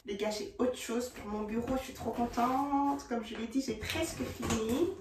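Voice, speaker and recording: A young woman chatting casually to her viewers in a vlog, excitable, slipping in English slang. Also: a little high, normal speed, roomy sound, distant mic, noisy background. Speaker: vlogger.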